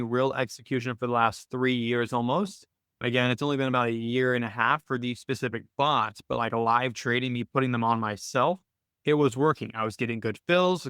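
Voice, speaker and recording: A man hosting a weekly live video call, chatting loosely and working through his points out loud, often tagging "right?" onto them. His voice is smooth and clear at an average pitch, and the sound is dry and close to the mic. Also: dry recording. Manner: conversational, thinks aloud with restarts and "right?" tags. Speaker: host of a weekly trading call. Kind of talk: casual live Q&A explanation.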